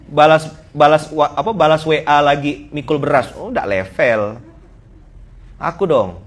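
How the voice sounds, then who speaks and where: Joking preacher with a Pontianak Malay accent. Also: male voice, fairly high pitch. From Pontianak, Indonesia. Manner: joking, teasing, lively storytelling to a congregation. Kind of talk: humorous sermon.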